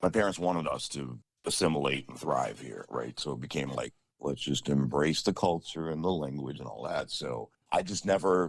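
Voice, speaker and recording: His pitch is very deep and low, with vocal fry throughout. The man talks at a moderate pace with lively intonation. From Sri Lanka, raised in US from childhood. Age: 40s. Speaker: voice actor and audio producer. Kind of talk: interview conversation. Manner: casual, animated.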